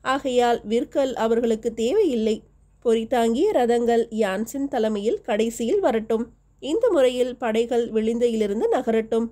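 A woman narrating a historical novel as an audiobook, reading every character's lines in her own steady voice. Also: fairly high pitch, normal speed.

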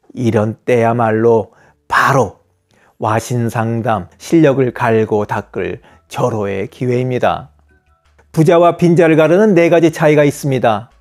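A man's voice: mid-range voice, a little mellow. Earnest man narrating advice. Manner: measured, earnest advice-giving delivery. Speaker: channel host. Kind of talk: scripted voice-over narration.

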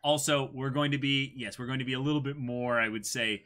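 Bright-voiced young North American male streamer. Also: medium pitch, fairly even intonation, fairly quick. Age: 20s. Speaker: streamer and co-host. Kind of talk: casual livestream chat. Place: small indoor room.

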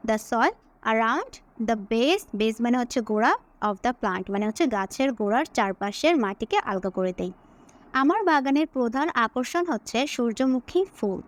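A woman with a Bengali accent teaching English, slowly dictating phrases word by word and explaining them, asking herself questions and answering them. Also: fairly high pitch. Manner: asks and answers her own questions. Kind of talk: slow dictation-style English lesson.

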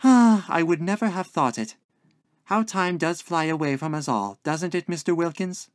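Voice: medium pitch, normal speed, no echo, studio quality, voice pushed up, close to an everyday voice. A narrator voicing a dainty, scatterbrained older landlady in a story, with sweet endearments and a coaxing, genteel manner. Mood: gushing, airy. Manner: sing-song, sighing, motherly endearments.

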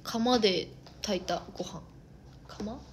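A woman, chatting casually on an idol livestream, excitable and quick to laugh. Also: medium pitch, a little hiss or hum. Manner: giggly, excitable, breaks into laughter. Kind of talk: casual chat.

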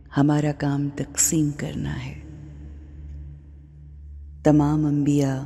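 Very slow-speaking woman leading guided meditation. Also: rumbling low, creaky, dark tone. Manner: deliberate, with long pauses between short phrases. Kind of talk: guided meditation, spiritual talk. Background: music.

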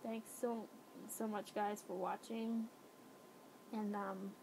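A woman's voice: little pitch movement, takes it slowly. A young adult woman chatting casually to viewers in a self-effacing, hesitant way, as an amateur voice actor. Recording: faint rumbly background noise.

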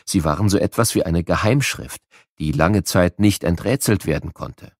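A man reading scripted educational narration for children, explaining things like a storyteller with clear enunciation. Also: low-pitched, normal speed, dry recording, clean studio sound.

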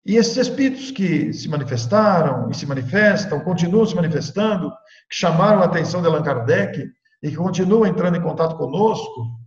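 An older man with a Brazilian Portuguese accent gives a spiritist lecture over a webcam, speaking in measured, emphatic phrases with dramatic pauses. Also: a little high. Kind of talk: devotional lecture. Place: indoor room at home. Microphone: laptop webcam, video call framing. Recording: echoey room, long reverb, dull lo-fi sound.

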